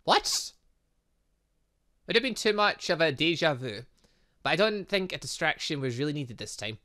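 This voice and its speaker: A man's voice: on the high side, very animated, normal speed, pushed and bright. A man commentating a game he is playing, rambling and cutting himself off with chuckling asides. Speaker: gaming streamer. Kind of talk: let's-play commentary.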